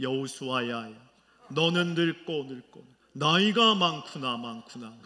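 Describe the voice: A man's booming, put-on character voice at medium pitch and a fairly slow pace.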